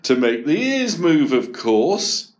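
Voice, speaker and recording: A man's voice: a little high, big pitch swings, takes it slowly, pitched above the performer's own voice. A man voicing a matter-of-fact, jokey father in a storybook reading.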